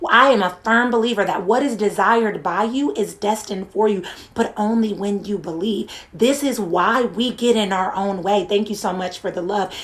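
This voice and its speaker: A woman's animated, medium-pitched voice with ordinary pitch variation, amid noticeable background noise. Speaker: life coach. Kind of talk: motivational livestream talk. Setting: live stream. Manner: fast.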